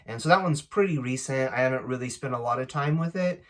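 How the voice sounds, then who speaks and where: Casual man introducing himself, halting delivery. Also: mid-range voice, fairly bright tone. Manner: halting, searching for words. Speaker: language-learning channel host. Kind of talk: casual unscripted introduction to camera.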